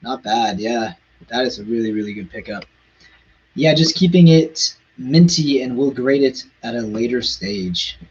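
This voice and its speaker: A man chatting casually on a live stream, rushing in quick bursts and stumbling over foreign words. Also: mid-range voice, lively intonation, darkish tone, slightly rough, highs cut off. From Canada.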